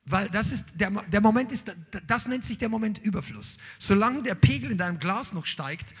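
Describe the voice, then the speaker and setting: Male pastor, husky, high-pitched voice, emphatic sermon delivery. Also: a little fast. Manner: animated, emphatic preaching with sudden loud peaks.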